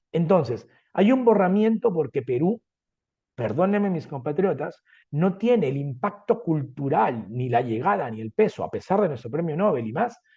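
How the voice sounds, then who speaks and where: Over a quiet background, a man speaks at a moderate pace in a fairly high, dark, mellow voice with very wide pitch swings. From Peru, Lima. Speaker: academic, migrant writer. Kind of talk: interview.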